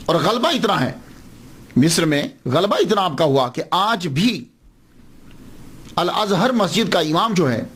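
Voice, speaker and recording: A man's voice: sits high, animated, a bit bright, husky. A man giving a religious lecture as a scholar, explaining step by step and asking questions he then answers. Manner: slows down to spell out names and words. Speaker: Islamic scholar.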